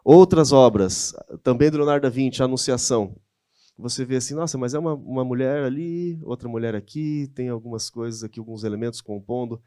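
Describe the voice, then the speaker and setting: This man speaks at a medium pitch, fairly quickly, with a dark, smooth tone, recorded cleanly in a studio with no echo. He has a Brazilian Portuguese accent and gives a conversational, slide-based lecture hosted by a church, frequently posing rhetorical questions to the audience.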